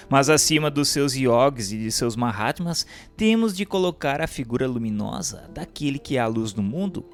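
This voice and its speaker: A man's voice: medium pitch, vocal fry. A man with a Brazilian accent giving a solemn, formal, declamatory scripted narration of a religious text. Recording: music bed under the voice.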